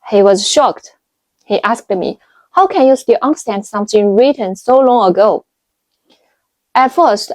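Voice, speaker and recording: A woman in her thirties speaks with a Chinese accent in a fairly high voice, recorded dry and close. She presents as a video host, explaining things directly to her viewers. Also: a little mellow, dry recording. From China. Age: 30s. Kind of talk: explanatory talk to camera.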